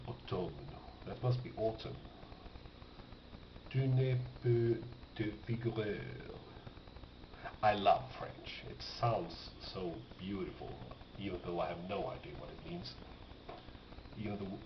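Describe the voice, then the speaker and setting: A man's voice: fairly low pitch, takes it slowly. A man giving casual, off-the-cuff commentary as he presents a collection, musing aloud and often questioning himself. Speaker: record collector presenting finds. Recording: dull lo-fi, noisy, roomy sound.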